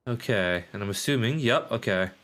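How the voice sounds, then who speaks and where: A man's voice: lowish voice, expressive, normal speed, a bit bright. A man doing casual live game commentary, rambling and sweary, sometimes reading on-screen text aloud. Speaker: game streamer.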